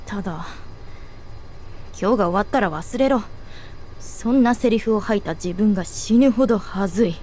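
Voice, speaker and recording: An actress voicing a blunt, tomboyish teenage girl soldier in a game, speaking in a terse, gruff way. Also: normal speed, long pauses, warm tone, a little hiss or hum, natural voice. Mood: teasing. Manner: gruff, terse, low-key. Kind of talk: game voice acting. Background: game music.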